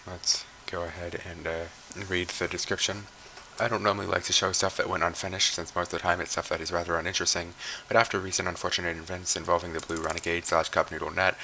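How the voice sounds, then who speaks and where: A man with a raspy voice giving rambling, unscripted commentary, swearing freely and trailing off with fillers. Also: sits low, bright, forceful tone, a little hiss or hum, poor audio. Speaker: commentary YouTuber.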